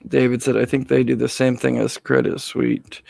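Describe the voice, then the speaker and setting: A man with a slightly hoarse voice hosting a casual live question-and-answer stream, speaking informally and haltingly off the cuff. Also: medium pitch, flat delivery, a little mellow, no echo.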